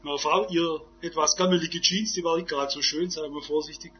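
A man preaches in a high voice. He fires off rhetorical questions and shifts between forceful outbursts and quiet asides. The recording sounds dull and lo-fi. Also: steady tone, brisk. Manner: emphatic, rhetorical questions, swings from loud to hushed. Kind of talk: sermon.

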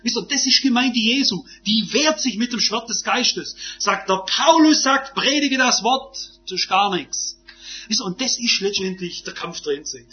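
A man preaches in a high voice. He fires off rhetorical questions and shifts between forceful outbursts and quiet asides. The recording sounds dull and lo-fi. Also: normal speed. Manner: emphatic, rhetorical questions, swings from loud to hushed. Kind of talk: sermon.

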